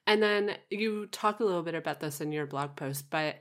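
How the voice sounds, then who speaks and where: A woman's voice: low-pitched, normal speed, fairly bright tone. A woman hosting a conversational interview, phrasing her thoughts in a reflective, tentative way. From Canada. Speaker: podcast host, interviewer.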